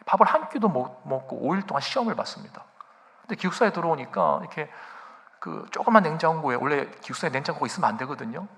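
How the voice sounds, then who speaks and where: A man's voice: fairly high pitch, vocal fry, bright, forceful tone. A male pastor preaching a sermon in a church sanctuary, telling stories with animation and putting rhetorical questions to the congregation.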